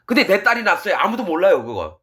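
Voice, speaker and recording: A man's voice: high-pitched, big pitch swings, fast, sharp tone, slightly rough. A male pastor giving a sermon in a colloquial, conversational manner, reading scripture aloud and explaining it.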